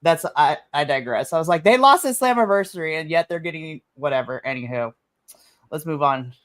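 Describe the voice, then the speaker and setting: Wrestling podcast co-host, middle-pitched voice, chatty, laughs a lot, remote call. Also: expressive, brisk, a bit bright. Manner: laughing often, trailing off, chatty. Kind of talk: casual wrestling podcast chat. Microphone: remote streaming call.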